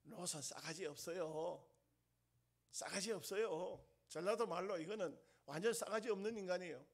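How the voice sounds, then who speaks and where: A male pastor preaching a sermon, emphatic and repetitive, asking the congregation questions and swinging between loud bursts and soft asides. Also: high voice, moderate pace, vocal fry. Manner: emphatic, repeats lines, asks the congregation questions.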